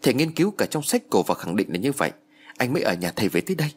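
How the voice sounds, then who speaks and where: A man's voice: mid-range voice, very animated, racing, a little mellow, slightly rough. A man playing a grieving older brother in a spoken horror story, grave and urgent, his voice choked. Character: older man, grief-stricken eldest brother.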